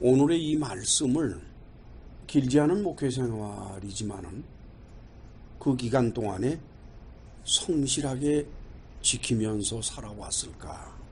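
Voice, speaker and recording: A man talks at a very slow pace, leaving long, frequent pauses. His intonation is lively, and the room echo is audible. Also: medium pitch for a man. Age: 70s. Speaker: pastor. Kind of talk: sermon.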